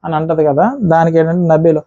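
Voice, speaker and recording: A man recapping a reality show episode in a casual, rapid way, acting out what the contestants said. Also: a little high, completely flat delivery, mellow, no room sound, muffled recording.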